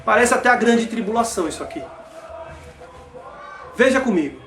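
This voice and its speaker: A man's voice: high voice, animated, normal speed, vocal fry, fairly bright tone, reverberant, a faint crowd. A man with a Brazilian accent giving impassioned religious commentary, exclaiming and asking rhetorical questions of his listeners, whom he calls brother. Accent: Brazilian Portuguese.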